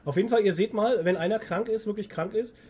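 A man's voice: sits high, fast, darkish tone, slight background noise. A man with a cold, chatting casually as the host of a talk podcast. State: sick with a cold.

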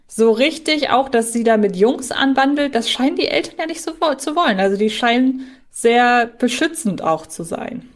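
A woman's voice: on the high side, expressive, normal speed, few pauses. A woman co-hosting a podcast, thinking aloud in a casual, conversational way. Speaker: podcast co-host.

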